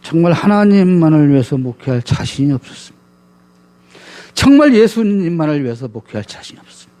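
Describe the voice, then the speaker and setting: Pastor, man, preaching with emphatic rhetorical questions in a fairly high voice. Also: sing-song, brisk, mellow. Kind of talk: sermon.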